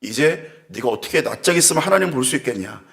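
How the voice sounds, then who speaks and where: A man's voice: mid-range voice, expressive, fast talker, gravelly. A man voicing a taunting male tempter spirit that whispers doubting questions.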